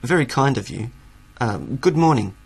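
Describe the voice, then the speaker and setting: A man voicing a frightened male dog in a storybook reading, stammering flustered apologies in a husky voice. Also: mid-range voice, lively intonation, moderate pace. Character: frightened male dog backing away nervously.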